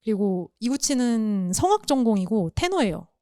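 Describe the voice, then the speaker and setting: Woman, casual podcast co-host, explanatory, animated, dry close recording. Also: fairly high pitch, moderate pace, no room sound. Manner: explanatory, animated, imitates sounds. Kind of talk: casual chat.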